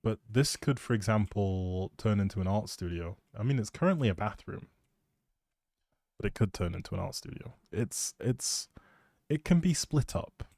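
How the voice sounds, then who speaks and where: Low, mellow-voiced man rambling casually. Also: animated, moderate pace, dry recording, clean studio sound. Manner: informal, thinking out loud. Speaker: live streamer. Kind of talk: casual rambling game stream chat.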